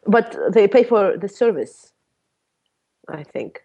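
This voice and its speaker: A woman's voice: mid-range voice, expressive, slow pace, warm tone, husky, highs cut off. A woman in a casual group conversation, teasing and argumentative, laughing often as she makes her points. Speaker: participant in a group chat. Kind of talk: casual chat.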